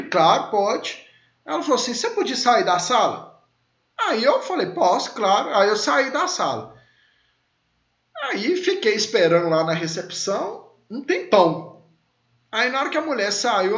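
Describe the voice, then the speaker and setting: A man in his thirties gives a law class with a high, bouncy voice that rises and falls a lot. He tells stories casually, full of fillers, and checks in with his listeners. The sound is roomy and echoey, a little dull. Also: fairly bright tone. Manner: chatty, many fillers, asks listeners questions. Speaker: law lecturer. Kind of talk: teaching through personal stories.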